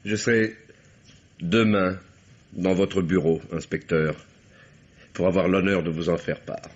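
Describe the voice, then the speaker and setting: A man's voice: deep voice, fairly even intonation, unhurried, background noise. A man playing a flippant, suave black-sheep nephew, ironic and affectedly polite, in a vintage radio mystery. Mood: ironically courteous. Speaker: radio drama actor. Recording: dull, lo-fi old radio recording.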